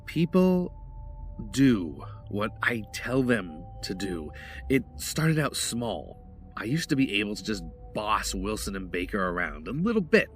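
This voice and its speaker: A man's voice: fairly low pitch, big pitch swings, measured pace, soft background music. An actor playing an agitated, frightened young man in an audio drama, speaking urgently and earnestly. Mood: uneasy confession. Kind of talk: full-cast audio drama acting.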